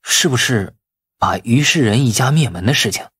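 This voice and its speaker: A man's voice: medium pitch, animated, normal speed, a bit bright, husky, no room sound, studio quality. A man voicing a cocky yet easily flustered businessman in audiobook dialogue, eager and informal. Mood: hushed, smug.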